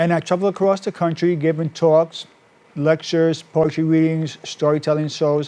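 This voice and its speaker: Monotone and flat, the voice has a dark, mellow tone and a Bronx accent. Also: man. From New York City, the Bronx. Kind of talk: interview.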